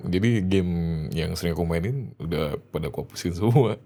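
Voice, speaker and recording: A man with a low-pitched voice talks fairly quickly, acting as an affectionate and excitable husband addressing his wife for ASMR. His delivery is expressive with a hesitant edge.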